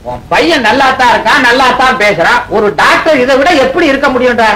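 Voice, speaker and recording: A high-pitched voice scolds and mocks as a sharp-tongued older relative in a comedy film scene. His lines come out teasing and needling. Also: lively intonation, brisk, slight background noise, heavily acted, rough recording.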